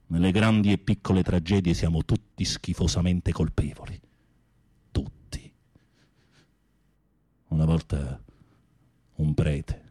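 Husky, theatrical gay prisoner. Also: male voice, sits low, warm tone. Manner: theatrical, swinging from confiding murmurs to camp exclamations. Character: flamboyant gay male prisoner, theatrical, wounded romantic. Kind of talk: radio drama acting, dramatic monologue.

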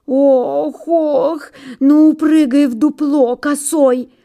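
A creaky old grandmother pine tree groans and grumbles through every line, as a woman reading the story puts her on. The voice is pitched well up from an ordinary speaking voice, sighing and wailing with a slow, aged drag. It is a storybook reading, grumbling and old. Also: steady tone, mellow, exaggerated voice. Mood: groaning.

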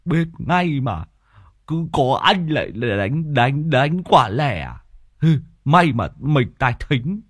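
A man's voice: mid-range voice, very animated, takes it slowly, no room sound, studio quality, pitched above the performer's own voice. A man voicing a greedy, cheeky freeloading man. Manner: cheeky, grumbling.

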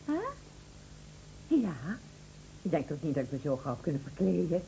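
Chic wife, mellow and expressive. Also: female voice, sits low, moderate pace, gravelly. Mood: breezy. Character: chic wife, breezy hostess turning defensive and rattled when cornered. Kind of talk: radio drama acting. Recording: dull, noisy old radio play recording.

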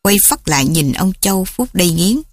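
A woman narrating an audiobook with dramatic, expressive storytelling. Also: fairly low pitch, fairly quick, no room sound. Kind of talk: audiobook narration of a romance novel.

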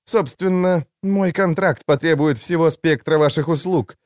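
A man reading a sly, talkative young male schemer who speaks in a mocking, deliberate way. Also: a little high, darkish tone, no room sound, clean studio sound, voice pushed up, natural voice. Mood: calm, scheming.

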